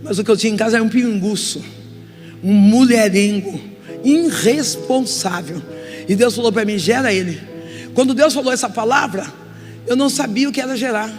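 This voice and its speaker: A middle-aged woman with a Brazilian Portuguese accent giving an emotional testimony sermon as a guest preacher, moving from soft confession to loud exhortation. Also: a little high, normal speed. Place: church hall. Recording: reverberant church hall with music.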